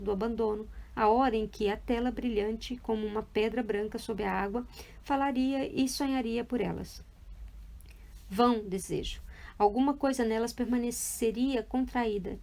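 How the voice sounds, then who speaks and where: A woman's voice: a little high, vocal fry, a little mellow. Woman reading a novel aloud. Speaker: audiobook reader. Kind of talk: literary audiobook narration.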